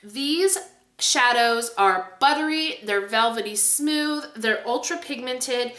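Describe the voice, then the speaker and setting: Female beauty vlogger, bright and emphatic, chatty review delivery in an echoey room. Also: fairly high pitch, slow. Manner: enthusiastic, emphatic. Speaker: beauty video host. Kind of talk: casual product review to camera.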